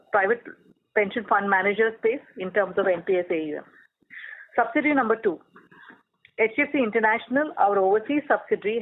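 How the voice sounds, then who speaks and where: Executive on a tinny phone line. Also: mid-range voice. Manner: formal, measured corporate reading. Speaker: company executive presenting results. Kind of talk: scripted earnings call presentation. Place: telephone conference call.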